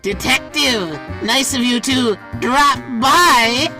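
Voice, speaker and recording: A woman's voice: high-pitched, slow, bright, forceful tone, full character voice. A young woman playing a hammy, scheming male mob boss in an amateur radio play, with old-time gangster slang. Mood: smug, threatening. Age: teens or young adult. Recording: amateur recording with music underneath.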